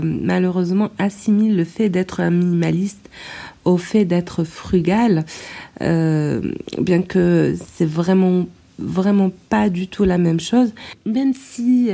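A woman hosting a casual solo podcast, talking hesitantly with many filler sounds and recorded in low sound quality on a tablet's built-in microphone. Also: creaky, mellow. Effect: low-quality sound from a tablet's built-in mic after her microphone broke. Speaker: podcast host.

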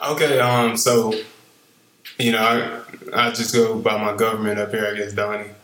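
A man's voice: on the low side, level tone, normal speed, a bit bright. Laid-back Southern man, roomy sound. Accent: Southern US, Eastern North Carolina. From Eastern North Carolina. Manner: laid-back, rambling, many fillers. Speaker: podcast co-host. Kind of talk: casual podcast chat.

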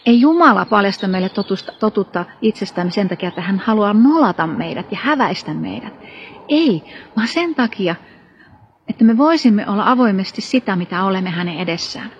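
A woman's voice: mid-range voice, animated, slight background noise. A woman preaching a sermon, retelling a Bible story with earnest emphasis and rhetorical questions. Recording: dull lo-fi recording.

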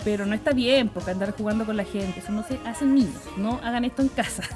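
A woman's voice: mid-range voice, fast, music in the background. A young woman with a Chilean accent hosting a podcast, chatting in a slangy way and laughing often. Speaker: podcast host. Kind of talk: casual chat.

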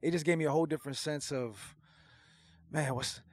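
A man whose first language is Portuguese, a guest rapper talking in a casual podcast chat, animated and slangy with emphatic swearing. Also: on the high side, a little fast, no echo.

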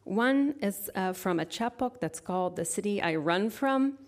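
A woman speaking as a poet at a live reading, with measured, deliberate phrasing into an event microphone. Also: medium pitch, animated. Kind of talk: live poetry reading with informal introduction. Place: live literary event before an audience.

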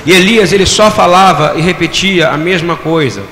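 A man preaching, his voice pitched high for a man. He keeps turning to the congregation, having them repeat words and asking whether they follow. The sound rings through a reverberant church hall with a faint background hum. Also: moderate pace, bright, forceful tone. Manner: interactive, has the congregation repeat phrases; rhetorical questions to the audience. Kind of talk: sermon. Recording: echoey hall with long reverb, faint room noise.

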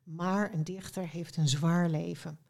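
A woman reading aloud a gruff, earnest male poet from a storybook, who makes solemn pronouncements. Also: fairly low pitch, steady tone, unhurried, darkish tone. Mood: weighty, proud.

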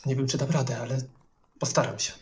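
Hesitant male tabletop player, mid-pitched, uncertain delivery. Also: fairly even intonation, fast talker, a little mellow, slight background noise. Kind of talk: tabletop game role-play.

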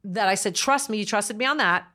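A woman co-hosting a podcast in casual chat, enthusiastic and quick to chime in. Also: mid-range voice, bright, forceful tone. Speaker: podcast co-host.

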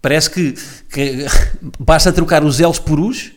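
A man with a European Portuguese accent riffs alone at home, hosting his own comedy podcast. His voice sits a little on the high side, and his monologue is a mocking, sarcastic rant, punctuated by constant "right?" asides to his listeners. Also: takes it slowly. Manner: sarcastic, mocking rant with frequent tag questions. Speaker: podcast host.

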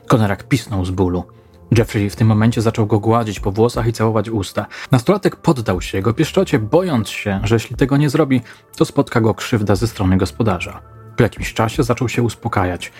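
Man reading a slow, measured crime story. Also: lowish voice, darkish tone, husky. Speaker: narrator. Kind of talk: scripted true-crime narration.

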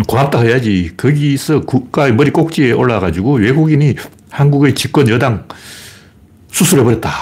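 A man with a Gyeongsang accent speaks in a deeply husky, raspy voice, with pitch that swings widely as he talks. He hosts a casual livestream, greeting viewers and rambling through opinionated, mocking commentary. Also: darkish tone. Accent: Gyeongsang dialect. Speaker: livestream host.

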